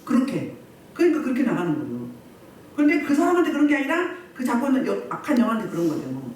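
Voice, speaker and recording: A woman pastor preaching a sermon at a healing service, telling the story with lively voices for the crowds she describes. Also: fairly high pitch, quick pace, slight background noise. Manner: animated, acts out crowds and quotes. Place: church meeting room. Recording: echoey hall, distant mic.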